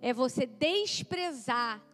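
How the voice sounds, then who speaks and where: A woman with a high, expressive voice preaches a slow-paced sermon, speaking directly to her listeners. She addresses some by name and has them repeat her words, with soft music playing underneath.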